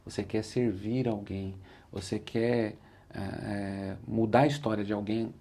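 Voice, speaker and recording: In a lowish, dark, slightly rough voice with a level tone, this Brazilian Portuguese-accented man speaks unhurriedly about his own story. He is an interview guest and motivational speaker with an earnest, reflective manner, and he repeats "said like this" each time he quotes himself.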